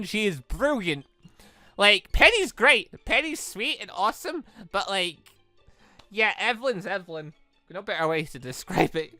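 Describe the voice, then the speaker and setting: A game streamer giving enthusiastic commentary and reading a visual novel aloud, quick to laugh. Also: mid-range voice, sharp tone, no echo. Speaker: video game playthrough host. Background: music.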